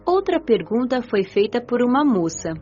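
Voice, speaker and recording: A woman's voice: a little high, very animated, normal speed, a little mellow. A woman playing a young daughter who narrates her father's teachings in a radio drama. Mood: recounting. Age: young adult. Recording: dull lo-fi audio with music behind. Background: music.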